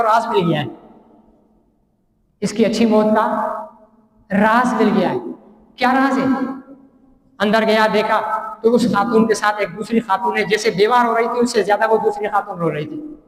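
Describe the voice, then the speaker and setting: A man with a Pakistani accent preaching a sermon, telling a story and asking the crowd rhetorical questions. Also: sits high. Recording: echoey hall with long reverb.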